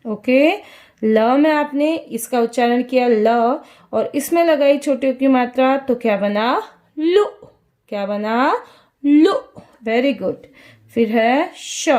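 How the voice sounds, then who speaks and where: Slow, high-voiced woman teaching young children. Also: darkish tone. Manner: slow, repeats questions and answers for small children. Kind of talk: children's lesson.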